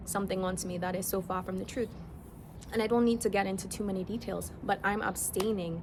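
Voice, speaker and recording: A woman talks at a very fast pace with vocal fry. Her pitch is medium. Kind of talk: casual vlog monologue. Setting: outdoors.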